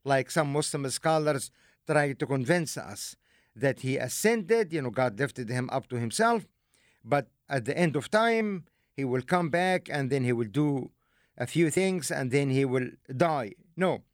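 Slow, animated man lecturing. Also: medium pitch, no room sound, studio quality. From Egypt. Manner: deliberate and emphatic, with rhetorical asides. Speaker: religious lecturer. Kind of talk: teaching lecture.

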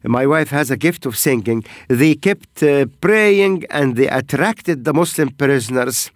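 Male host of a ministry program, middle-pitched voice, earnest and halting, dry close sound. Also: animated, no room sound. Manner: earnest, halting phrasing with frequent pauses. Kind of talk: broadcast ministry talk, sharing testimonies.

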